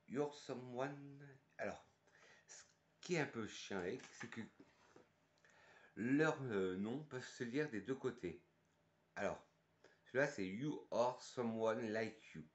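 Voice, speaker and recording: A man from France with a French accent, casually reviewing perfumes and thinking aloud with fillers and restarts. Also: on the low side. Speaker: perfume youtuber and sales advisor.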